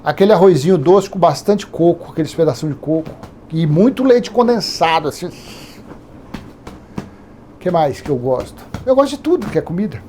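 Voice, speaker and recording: A man's voice: fairly high pitch, lively intonation, moderate pace, dark tone, slight background noise. Rambling Brazilian man in his fifties. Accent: Brazilian Portuguese. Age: 50s. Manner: rambling, conversational, with digressions and repetitions. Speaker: Bible teacher. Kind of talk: informal Bible study teaching.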